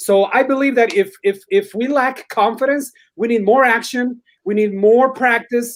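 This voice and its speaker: This man has a Spanish accent and a high-pitched voice. His pitch varies in an ordinary way. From Guatemala, grew up partly in Utah. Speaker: audience guest. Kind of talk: casual chat. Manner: halting, repeats words.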